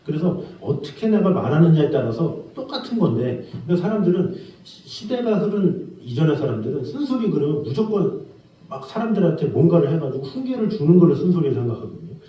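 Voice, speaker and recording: A man's voice: fairly high pitch, big pitch swings, fast talker. A middle-aged man preaching a sermon as pastor in a church sanctuary. He talks in a conversational way, asks rhetorical questions and acts out the people he quotes. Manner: acts out quoted scolding and gentle voices. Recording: roomy, distant, dull church recording.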